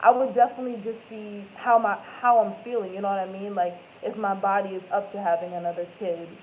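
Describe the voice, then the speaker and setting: A woman's voice: medium pitch, steady tone, fast. A woman in her twenties chatting casually with viewers as host of a live stream, rambling and correcting herself as she goes. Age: 20s. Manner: rambling, self-correcting, lots of "like" and "um". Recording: tinny phone-like audio with faint noise.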